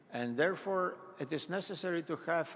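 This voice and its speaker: A man with a Polish accent and ordinary pitch variation. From Poland. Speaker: economics professor. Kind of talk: conference talk.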